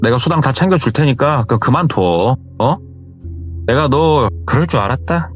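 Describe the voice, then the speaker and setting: A foul-mouthed, short-tempered boss barks out his scolding, as a male storyteller puts him on. His voice leaps up and down in pitch, and the sound is a bit muffled. Soft music plays faintly underneath. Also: expressive, normal speed, close to an everyday voice. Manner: barking, scolding.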